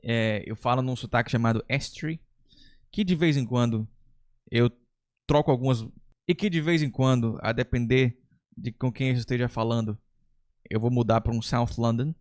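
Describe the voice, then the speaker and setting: A man who teaches English, talking through a ranking in a relaxed, chatty way with occasional slang. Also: medium pitch, normal speed, no echo, clean studio sound. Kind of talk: casual tier-list commentary.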